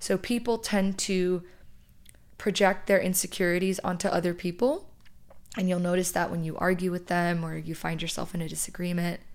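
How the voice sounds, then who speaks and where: A woman with an ordinary speaking voice, fairly low in pitch, fairly quick and fairly even in intonation, on a very clean recording with a silent background. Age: 20s. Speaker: podcast host. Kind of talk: solo advice monologue. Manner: casual, conversational.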